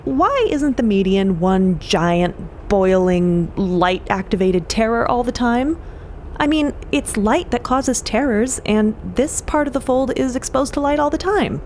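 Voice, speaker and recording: A woman's voice: a little high, animated, measured pace, darkish tone. Woman acting chatty, earnest adventurer over noisy ambience. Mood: earnest, candid. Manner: informal, hesitant, earnest. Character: chatty, soft-hearted, candid woman adventurer, Cleo. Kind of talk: narrative audio drama.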